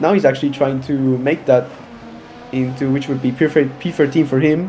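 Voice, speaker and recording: A man with a non-native accent, fairly high pitch, fairly even intonation and a moderate pace, with music in the background. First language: not English. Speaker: sim racing commentator. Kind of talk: live commentary.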